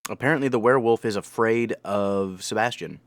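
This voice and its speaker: A man's voice: fairly low pitch, brisk, no room sound. A man giving casual, off-the-cuff reaction commentary, rambling and repeating words for emphasis. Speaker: anime reaction host and reviewer.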